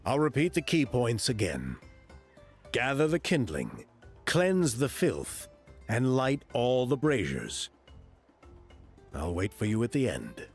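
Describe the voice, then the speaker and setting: An actor playing a patient, earnest tribal man in a video game, explaining a sacred ceremony in a measured, reassuring way. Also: mid-range voice, huge pitch swings, slightly rough, faint music behind, exaggerated voice. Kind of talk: video game character acting.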